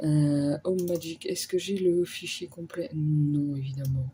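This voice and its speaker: Very slowly, a woman speaks in a very deep, low, dark, mellow voice that is somewhat breathy, her intonation fairly even. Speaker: cross-stitch video creator. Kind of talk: casual vlog talk.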